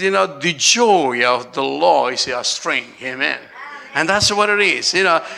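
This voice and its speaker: A man's voice: on the high side, vocal fry, pushed and bright. A man with an Italian accent preaching a jovial, laughing Christmas sermon as pastor, dropping frequent amens.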